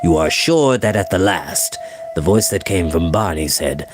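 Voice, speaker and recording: A male reader plays a grave old wizard in a storybook. The voice drops low, and the delivery is terse, cold and commanding. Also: lively intonation, measured pace, music in the background. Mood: grim.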